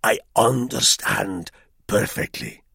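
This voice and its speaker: A man voicing a pompous middle-aged German hotel guest who speaks slowly and weightily, with a confiding air. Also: fairly low pitch, creaky, a bit bright, slightly rough, dry recording, clean studio sound, voice pushed up, heavily acted. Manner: weighty, confiding, slow-spoken.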